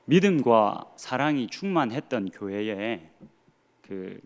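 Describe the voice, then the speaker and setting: Slow and marked by big pitch swings, a medium-pitched voice belongs to a Gyeongsang-born pastor in his thirties. Speaking with the region's Korean accent, he preaches sincerely, posing rhetorical questions and slipping in dry humor.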